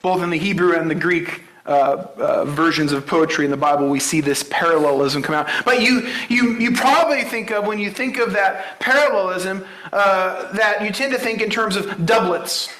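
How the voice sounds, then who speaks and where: A man's voice: high voice, normal speed, few pauses, a bit bright, reverberant, rough recording. A man preaching a sermon, explaining a Bible passage in a conversational teaching manner and checking in with the congregation. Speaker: pastor.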